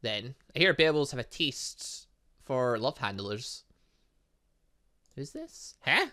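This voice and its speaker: Animated bright-voiced man doing game commentary. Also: mid-range voice, slow pace. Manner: excitable, rambling, stumbles over read lines. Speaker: gaming video host, let's play narrator. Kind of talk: casual gameplay commentary, reading game dialogue aloud.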